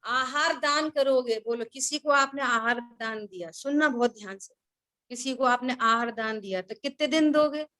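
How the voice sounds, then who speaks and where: A woman's voice: fairly high pitch, normal speed, sharp tone. A woman teaching a scripture class, who keeps questioning her listeners and repeating key words.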